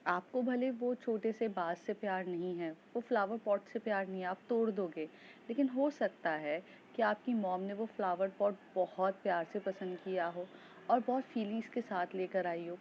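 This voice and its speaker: Woman, storytelling narration, conversational, middle pitch, slightly lo-fi, faint hiss. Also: moderate pace.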